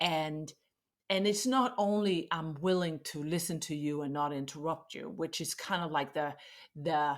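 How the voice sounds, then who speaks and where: A woman with a non-native accent speaks at a moderate pace in a very deep, low pitch with ordinary pitch variation. The recording is very clean, with a silent background. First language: not English. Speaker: executive coach, former investment banker. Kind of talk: interview conversation. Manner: halting, many repetitions and false starts.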